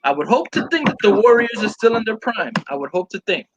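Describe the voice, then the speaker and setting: A man's voice: high voice, very animated, quick pace, highs cut off, noisy background. A man co-hosting a live Christian stream in loose, joking casual chat, reading out viewer comments.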